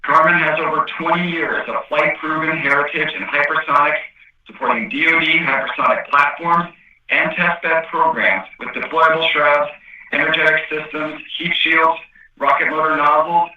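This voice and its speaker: A man reading a scripted corporate presentation as an executive on an earnings call, in a formal, measured way. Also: on the high side, fairly even intonation, far from the mic. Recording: echoey, muffled conference call line.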